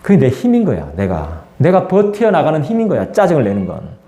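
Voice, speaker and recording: A man's voice: on the high side, wildly swooping pitch, brisk, dark tone. A man preaching a sermon as pastor, in a conversational way that acts out the voices of people he quotes. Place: church sanctuary. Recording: echoey church room.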